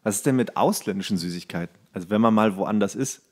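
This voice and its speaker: A man's voice: lowish voice, fast. A man speaking as a podcast co-host in casual chat, colloquial and jokey, telling small anecdotes. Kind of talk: casual chat about food with a friend.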